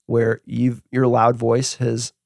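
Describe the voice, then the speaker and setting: Gravelly-voiced male interviewer. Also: mid-range voice, completely flat delivery, slow pace, a little mellow, no room sound, clean studio sound. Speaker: podcast host. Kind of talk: casual interview.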